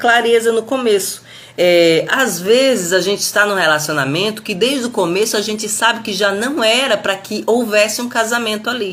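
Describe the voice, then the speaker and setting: A woman's unremarkable speaking voice, fairly high in pitch, at a moderate pace with hardly any pauses and ordinary pitch variation. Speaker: book study presenter. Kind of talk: book reading with commentary. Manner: casual, conversational.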